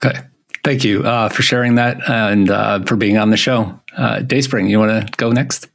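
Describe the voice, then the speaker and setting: A man with a fairly low voice hosts a podcast. He addresses listeners and guests as the moderator of a panel. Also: fairly even intonation, normal speed, vocal fry, a bit bright, slight background noise.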